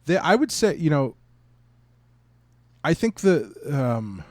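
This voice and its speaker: A man co-hosting a podcast, giving a casual conversational review in a halting, measured way as he thinks aloud. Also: on the high side, sing-song, a little mellow, dry recording. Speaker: podcast co-host reviewing a stage play.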